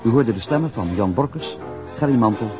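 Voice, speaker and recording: A man reading formal closing credits as a radio announcer, in a measured way. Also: mid-range voice, expressive. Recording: broadcast with music underneath.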